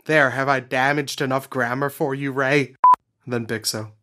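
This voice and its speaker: A man's voice: mid-range voice, steady tone, moderate pace, bright, forceful tone, a little hiss or hum. A man joking around at a tabletop game recording, often stammering and laughing between lines. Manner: stammering, giggly, self-interrupting. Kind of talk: casual banter at a recording session.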